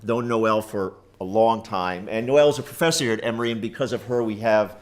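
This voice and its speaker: A big-voiced man from New York delivers a political keynote speech with fervent, optimistic rally energy. His loud voice sits on the low side and moves quickly, picked up unamplified from a university lecture room.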